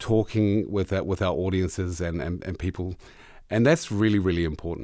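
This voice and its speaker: A dark, mellow tone at a moderate pace, on a very clean recording with a silent background. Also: man. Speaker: museum director. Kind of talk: interview.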